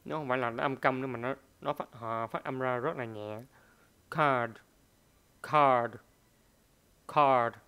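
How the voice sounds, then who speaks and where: Smooth-voiced man teaching pronunciation. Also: medium pitch, fairly even intonation, a bit bright. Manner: hesitant, many fillers, repeats words slowly to demonstrate. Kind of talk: pronunciation lesson.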